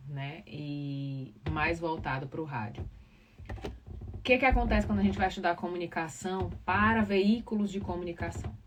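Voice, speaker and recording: A woman with a Northeastern Brazilian accent from Ceará, explaining things informally and didactically to live viewers, stressing key words. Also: low-pitched. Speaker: live podcast host, communication professional. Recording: distant mic, clear background noise.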